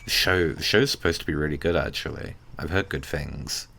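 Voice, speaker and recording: A man playing an easygoing, gently teasing giant friend in a casual, hesitant, intimate ASMR roleplay. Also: rumbling low, gravelly, full character voice. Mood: cheerful, chatty. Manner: hesitant, chuckling, unhurried casual talk.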